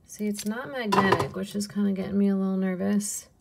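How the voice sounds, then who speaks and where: A young adult woman casually going through a bin of flea market jewelry, pricing each piece and muttering soft asides to herself. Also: medium pitch, fairly even intonation, gravelly, very noisy. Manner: unhurried, softly muttering asides, cooing over pieces. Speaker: resale seller pricing jewelry. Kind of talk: casual hands-on haul video.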